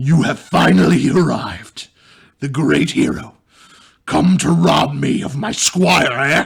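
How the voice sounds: A put-on character voice, raspy and growling, at a fairly slow pace. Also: man, fairly high pitch for a man.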